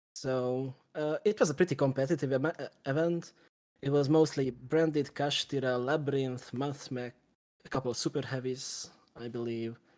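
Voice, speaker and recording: In a Hungarian accent, a man speaks at a moderate pace. His pitch is fairly high and his intonation fairly even. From Slovakia, Hungarian minority. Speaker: card game national champion. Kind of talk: interview. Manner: halting.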